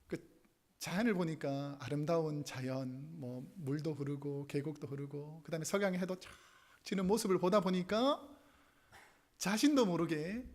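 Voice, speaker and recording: High-voiced Korean pastor telling a story. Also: male voice, darkish tone. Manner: storytelling, acting out quoted prayers with rising and falling intensity. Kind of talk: sermon.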